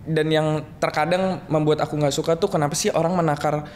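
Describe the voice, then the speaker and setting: A young man talking reflectively in a relaxed podcast chat, mixing in jokes. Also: on the high side, a little fast, a little hiss or hum. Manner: reflective, joking, many restarts and slang. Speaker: guest musician.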